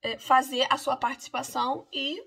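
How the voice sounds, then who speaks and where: Brazilian lady lawyer venting, bright sharp voice, really emphatic. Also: high voice, fairly even intonation, normal speed, creaky, slightly rough. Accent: Brazilian Portuguese. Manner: indignant, emphatic. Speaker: immigration lawyer. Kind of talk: casual first-person account.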